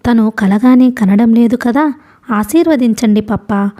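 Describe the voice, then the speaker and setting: A woman reads as a young daughter in a storybook reading, earnest and defiant, pleading with her father. The voice sits fairly high and mellow. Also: a little slow, natural voice.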